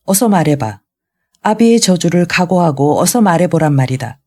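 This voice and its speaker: An audiobook reader voicing an old retired general who shouts and scolds his son, in a mellow tone. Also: mid-range voice, animated, moderate pace. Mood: furious. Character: old man, a proud, raging retired general.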